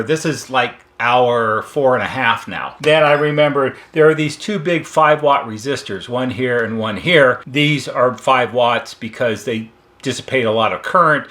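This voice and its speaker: A man's voice: mid-range voice, fairly bright tone. An American man giving an informal, hands-on repair walkthrough as a technician, explaining step by step in a conversational way. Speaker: electronics repair technician demonstrating.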